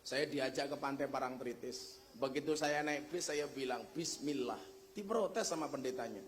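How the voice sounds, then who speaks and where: A man's voice: medium pitch, moderate pace, slight background noise. A man preaching a humorous sermon, spinning joking stories and slipping into phrases. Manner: joking storyteller who slips into Javanese phrases. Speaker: Islamic preacher. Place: religious gathering before a live audience.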